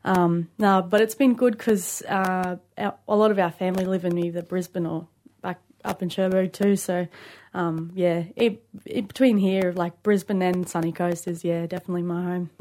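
A woman's voice: on the low side, fairly even intonation, moderate pace, darkish tone. A woman in her late twenties with an Aboriginal Australian English accent, talking casually and informally as an interview guest, often dropping in "like" and "you know". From Queensland, Australia. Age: late 20s. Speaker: studio guest, rugby league player.

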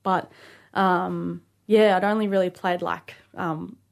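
A woman's voice: lowish voice, fairly even intonation, slow, vocal fry. A woman in her late twenties with an Aboriginal Australian English accent, talking casually and informally as an interview guest, often dropping in "like" and "you know". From Queensland, Australia. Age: late 20s. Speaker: studio guest, rugby league player.

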